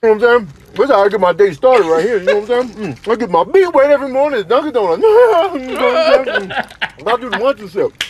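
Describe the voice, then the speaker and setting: A man's voice: very high voice, very animated, quick pace. A man voicing a chummy, cheeky bird in a comedic animal voiceover, slangy and fond of repeating catchphrases. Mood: chummy, pleased. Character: chummy, cheeky talking bird mooching food.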